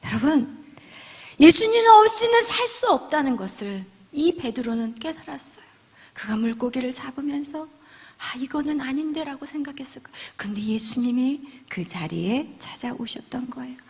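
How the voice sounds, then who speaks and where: A woman preaching a sermon. Her delivery swings from loud, emphatic lines down to hushed whispers. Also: high-pitched, expressive, moderate pace, breathy edge. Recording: long hall reverb.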